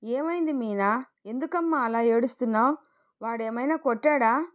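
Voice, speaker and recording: A woman's voice: on the high side, normal speed, lightly acted. A woman voicing an older, protective mother-in-law who scolds her son in a storybook tale. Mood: worried.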